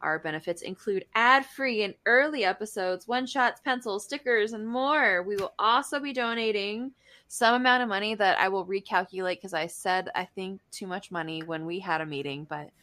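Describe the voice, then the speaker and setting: Bright-voiced woman co-hosting a podcast. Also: medium pitch, moderate pace. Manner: informal, playful. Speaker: podcast co-host. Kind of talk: casual podcast chat.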